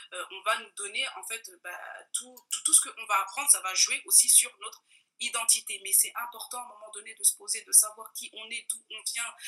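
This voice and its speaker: In a plain, everyday voice, a woman speaks at a moderate pace with a fairly high pitch, ordinary pitch variation and big swings in loudness. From France, of Malian parents. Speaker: marriage and family counsellor. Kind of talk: interview.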